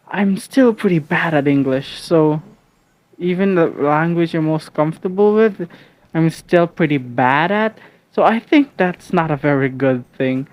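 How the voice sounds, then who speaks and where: A man's voice: fairly high pitch, a little mellow, no echo. A young man from the Philippines whose first language is Filipino, rambling casually and hesitantly at home with many restarts and fillers. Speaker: vlogger.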